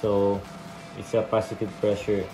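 A man's voice: fairly low pitch, level tone, moderate pace, reverberant, over music, low-quality recording. A Filipino man speaking through a respirator hood, casually walking through an unboxing in a hesitant, think-aloud way. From Philippines. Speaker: vlogger.

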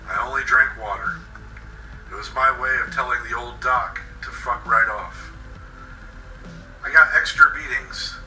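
A man's voice: medium pitch, sharp tone, recorded from a distance. A man reading a horror monologue as a bitter, vengeful captive, brooding and sardonic as he confesses. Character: bitter, vengeful male captive with anger issues. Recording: roomy echo, set back from mic. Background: music.

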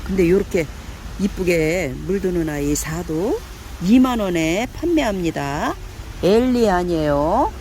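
A plant seller walks a camera through her shop, chatting casually as she shows her plants. She speaks of each one fondly, as if it were a little child. Faint traffic and ambient noise sit quietly behind her voice. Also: mid-range voice, rough recording. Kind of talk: casual product showcase.

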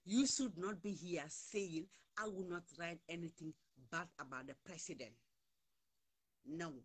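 A woman's voice: fairly low pitch, unhurried, breathy edge. A woman in her forties hosting a phone live stream, talking heatedly and repeating lines for emphasis. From Gambia. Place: indoors, small room, plain wall. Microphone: phone at arm's length.

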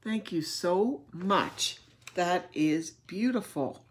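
A woman hosting a craft channel, gushing warmly over gifts as she unboxes them, emotional and sometimes dropping to a whisper. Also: on the low side, lively intonation, slow. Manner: gushing and tender, often drops to a whisper. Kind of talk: casual gift unboxing chat.

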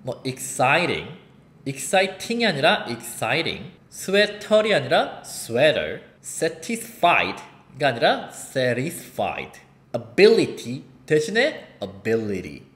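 A man teaching an online pronunciation lesson, explaining and demonstrating sounds in a lively way. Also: medium pitch, drawn-out words. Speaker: English teacher. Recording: roomy echo.

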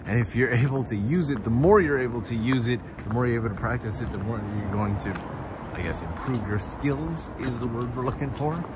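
A man chatting easily as he walks through city streets, answering viewers' questions in a relaxed, talkative way. His voice sits at an ordinary middle pitch. Traffic and street noise run clearly behind him. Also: brisk. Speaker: vlogger and livestream host. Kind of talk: casual walking livestream chat. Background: street ambience and passing vehicles.

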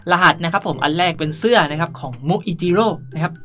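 Bright-voiced young man, chatty gaming host. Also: a little high, fast talker, soft background music. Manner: rambling, playful, chatty. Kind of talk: casual game tutorial commentary.

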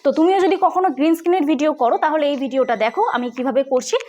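High-pitched and dark in tone, a tech vlogger with a West Bengal accent races through a casual tutorial. She keeps it chatty and frequently asks whether her listeners are with her.

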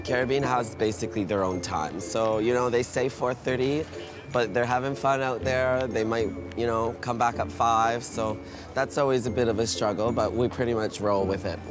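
A man's voice: mid-range voice, steady tone, moderate pace. Laid-back excursions guy, chatting outdoors on the dock, music behind. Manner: easygoing. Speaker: shore excursions agent. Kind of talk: interview.

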